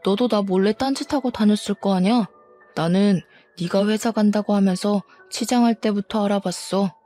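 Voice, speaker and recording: A blustering, quick-tempered cheating husband, as a woman reads him out in a storybook drama reading. The voice is mellow and soft-edged rather than bright, and the retorts come in scornful, defensive bursts. Faint music plays underneath. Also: mid-range voice, lightly acted.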